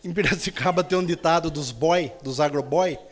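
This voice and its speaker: A woman's voice: deep voice, normal speed. A woman gives a humorous Catholic talk, telling stories and teasing her listeners bluntly. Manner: playful storytelling, acts out voices, blunt teasing. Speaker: Catholic lay preacher.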